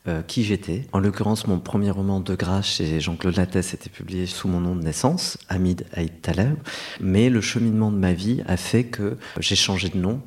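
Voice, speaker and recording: A middle-aged man, a novelist, answering interview questions about his writing in an earnest, reflective way, pausing often with hesitations. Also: low-pitched. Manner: reflective, earnest, speaks of himself at length with frequent hesitations. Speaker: novelist guest. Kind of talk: interview conversation.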